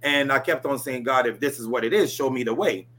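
This interview guest, a Ghanaian man in his forties, talks briskly at a medium pitch while sharing his life story in a relaxed setting. "You know" and "right?" pepper his talk.

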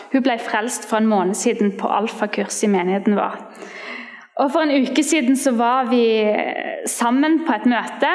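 Woman giving testimony in a reverberant hall. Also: on the high side. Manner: animated storytelling, acting out quotes. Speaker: Christian street evangelist. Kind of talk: personal testimony talk.

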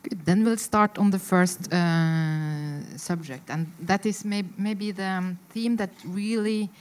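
A woman with a low-pitched voice chairs a panel discussion. She speaks in a halting way, searching for her words as she puts questions to the guests. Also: darkish tone. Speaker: panel moderator.

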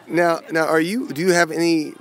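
A man's voice: fairly high pitch, fairly even intonation, normal speed, a bit bright. A man hosting a casual interview at a festival, chatty and joking, often stumbling and restarting his questions. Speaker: podcast host interviewing musicians. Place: outdoor festival.

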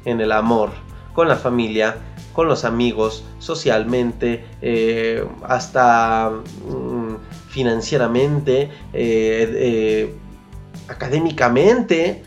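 Mexican-accented podcast host, motivational monologue, mid pitch, faint music behind. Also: takes it slowly, dull audio. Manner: coaching, repeats key phrases, colloquial slang.

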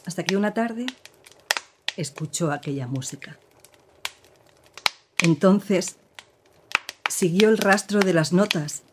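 An actress playing a woman who gravely recounts her partner's past in an audio drama, with measured, serious storytelling. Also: low-pitched, background noise.

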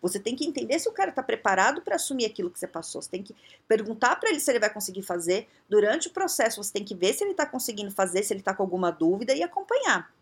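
A woman's voice: mid-range voice, big pitch swings, very fast, slightly rough. A woman with a Brazilian Portuguese accent giving blunt, conversational leadership advice, often acting out little dialogues. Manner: blunt, conversational, frequent tag questions, acts out dialogues. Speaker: leadership coach. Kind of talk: casual advice talk.

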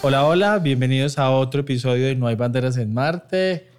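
This is a man co-hosting a podcast with a clear, smooth voice. He asks his questions haltingly, leaning on lots of fillers. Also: mid-range voice, faint music behind. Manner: hesitant, frequent "eh" fillers. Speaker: podcast co-host. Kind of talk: casual conversational interview.

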